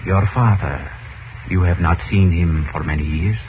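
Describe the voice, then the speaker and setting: An actor playing a mysterious, flattering Arab prince in a 1940s radio drama, speaking in formal, flowery, deliberate phrases. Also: male voice, low-pitched, slight background noise. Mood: measured, enigmatic. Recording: muffled vintage radio recording.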